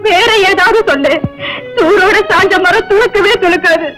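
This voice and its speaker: A woman's voice: very high voice, normal speed, poor audio. An actress playing a remorseful woman in a 1980s film, lamenting tearfully over music. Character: remorseful, weeping woman begging forgiveness. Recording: film soundtrack with clear music.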